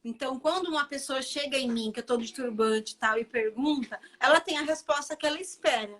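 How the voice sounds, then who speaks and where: A Brazilian chef from Bahia, appearing as a guest, talks briskly in a high, fairly bright voice during an easygoing live chat. She tends to say phrases again for emphasis.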